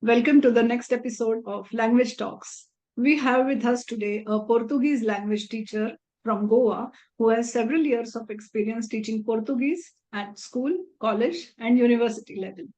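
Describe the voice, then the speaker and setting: Woman, Indian English accent, somewhat high pitch, interview host, polite questioning. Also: normal speed, darkish tone, rough recording.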